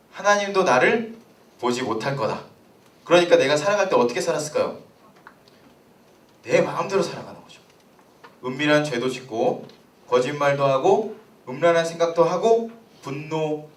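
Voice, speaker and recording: A young man, a pastor, giving a sermon to a youth congregation in a lively storytelling way and putting questions to the listeners. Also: a little high. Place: church hall. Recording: roomy hall, voice from a distance.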